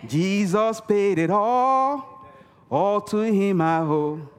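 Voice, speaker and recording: A man preaching with a slightly high voice, hammering home key words with repetition. He calls on the congregation to answer him. His voice rings with a long reverb from a large church hall. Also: very slow, clear, resonant tone, faint music behind. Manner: emphatic, repeats key words for effect; calls for audience response. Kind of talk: sermon.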